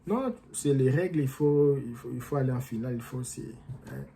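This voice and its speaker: A man's voice: medium pitch, normal speed, dark tone. A man talking casually and with animation to viewers he calls his friends, giving motivational advice and telling a story. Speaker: vlogger and coach. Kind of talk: casual motivational talk to camera. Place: living in the United States.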